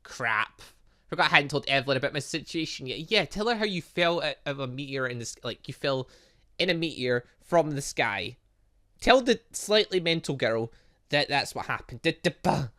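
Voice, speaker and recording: A man's voice: fairly high pitch, expressive, moderate pace, pushed and bright. A man doing let's-play commentary, reading visual novel dialogue aloud with jokey asides and frequent stumbles. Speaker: gaming video host.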